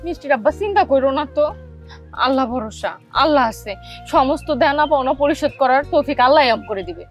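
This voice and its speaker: A woman's voice: high voice, animated, quick pace, faint music behind. A woman playing a devout, consoling village wife. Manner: pleading, consoling. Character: devout caring village wife, middle-aged. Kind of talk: television drama acting.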